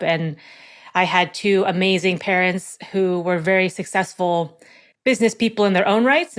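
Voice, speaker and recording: A woman's voice: on the low side, a bit bright. A middle-aged woman, an executive coach, chatting as a guest in an interview, friendly and thoughtful, laughing easily. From born in South Korea, raised in the United States. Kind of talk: casual interview conversation.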